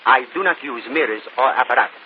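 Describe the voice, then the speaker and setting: An actor playing a proud, formal stage magician in a vintage radio drama. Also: male voice, mid-range voice, fast talker, slight background noise, close to an everyday voice. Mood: grand. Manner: formal, stately speech without contractions. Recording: muffled vintage radio broadcast.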